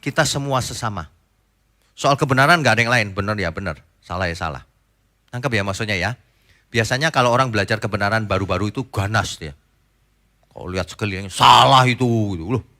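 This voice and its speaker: Male pastor, bright tense tone, chatty sermon, loud points then quiet asides, rhetorical questions to the flock. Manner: conversational preaching, swings between loud emphatic points and soft low asides; asks the congregation rhetorical questions.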